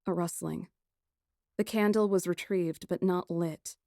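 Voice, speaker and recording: A woman narrating a first-person fantasy audiobook in an expressive, dramatic and deliberate storytelling style. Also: fairly low pitch, no echo, studio quality.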